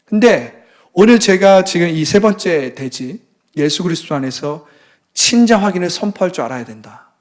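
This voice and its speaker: A man preaching a sermon as pastor, telling a story dramatically and dropping suddenly to a hushed voice, with passionate exclamations. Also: high-pitched, expressive, moderate pace.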